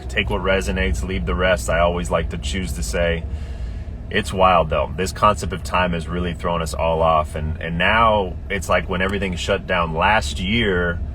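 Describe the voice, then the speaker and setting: A man with a low-pitched voice talks off the cuff as a livestream host. He muses in rhetorical questions and repeats himself for emphasis. A clear layer of background noise sits behind him. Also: fairly bright tone. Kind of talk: unscripted motivational talk to a live audience.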